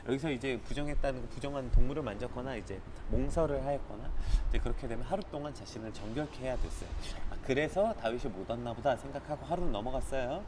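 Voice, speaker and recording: A man's voice: medium pitch, fast, few pauses, background noise. A man leading a live morning Bible study, reading scripture aloud and explaining it in a conversational teaching manner, often using filler words.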